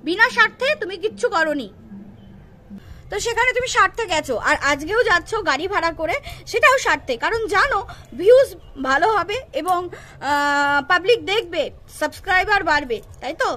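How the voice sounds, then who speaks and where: A woman's voice: very high voice, expressive, a little fast, pushed and bright. A woman giving unscripted roast commentary, confrontational and scolding, repeating herself and firing rhetorical questions. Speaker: YouTube commentary creator.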